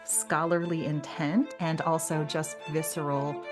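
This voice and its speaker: A woman's voice: low voice, level tone, measured pace, over loud music. A woman co-hosting a literary podcast, chatting casually and animatedly, slipping into imagined quotes as she makes her point.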